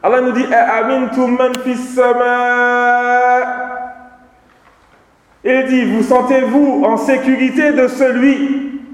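A man's voice: extremely high pitch, little pitch movement, measured pace, long pauses. A man teaching an Islamic seminar, speaking emphatically and repeating key phrases for his students. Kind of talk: seminar lecture. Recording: echoey hall.

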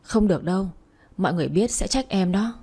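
A woman's voice: medium pitch, lively intonation, brisk, warm tone, slightly rough. A woman voicing a stern young man who keeps scolding and urging his girlfriend, in a storybook reading. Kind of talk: storybook narration.

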